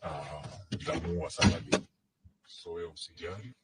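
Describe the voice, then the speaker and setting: A man speaking through a voice editor that disguises him with an artificially deep voice, in a menacing, low, steady way, heard from a played-back video clip. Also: normal speed, heavy background noise. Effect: voice disguised with an editor to sound deep.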